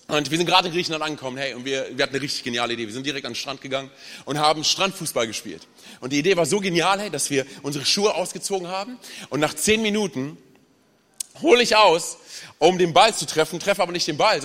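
A young man preaching as a guest speaker in a church, energetic and chatty, joking with the audience. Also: high voice, big-room sound. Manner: energetic, chatty, tells jokes. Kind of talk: sermon. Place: large church hall with audience.

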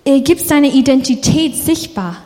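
A woman's voice: high voice, lively intonation, darkish tone. A woman preaching a sermon, going through the text verse by verse and speaking straight to the listener. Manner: slow, explaining verse by verse and speaking to the listener directly. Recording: long hall reverb.

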